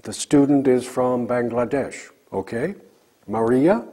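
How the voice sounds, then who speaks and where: Guy teaching english on a lesson cd, slow and careful, husky mellow voice. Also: mid-range voice. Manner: slow, clear drilling of example sentences. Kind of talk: recorded language lesson.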